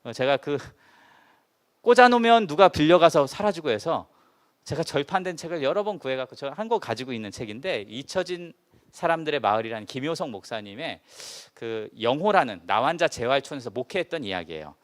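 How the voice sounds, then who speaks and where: A male pastor preaching a sermon and retelling a story, putting rhetorical questions to the congregation in an animated way. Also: fairly high pitch, fairly quick. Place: church service.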